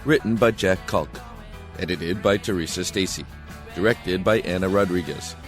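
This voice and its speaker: A man reading scripted credits as an announcer, measured and formal. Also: low-pitched, over music. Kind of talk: scripted narration.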